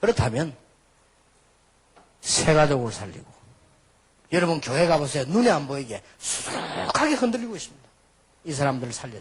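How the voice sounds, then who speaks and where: A man with a Busan accent talks at a fairly quick pace, his pitch swinging very widely. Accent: Busan dialect (Gyeongsang). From South Korea, Busan. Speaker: pastor. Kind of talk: sermon. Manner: animated.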